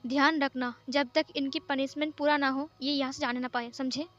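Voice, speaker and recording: A woman voicing a calm, commanding young male master who gives firm, clipped orders in a storybook recap. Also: high voice, moderate pace, dull audio, soft background music.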